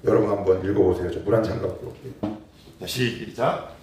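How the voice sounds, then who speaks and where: A male pastor giving a lively sermon, asking his congregation questions and acting out little scenes. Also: on the low side, brisk, a little hiss or hum. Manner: animated preaching, acting out scenes and rhetorical questions. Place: church sanctuary. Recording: very echoey church hall, voice from a distance.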